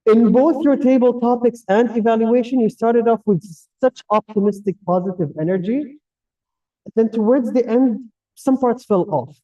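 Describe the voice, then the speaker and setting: A man's voice: extremely high pitch, normal speed, dark tone. A man with a Kuwaiti Gulf Arabic accent, a native Arabic speaker, giving explanatory, semi-formal feedback as an evaluator at a speaking club. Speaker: general evaluator at a public speaking club meeting. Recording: distant mic, dull muffled sound.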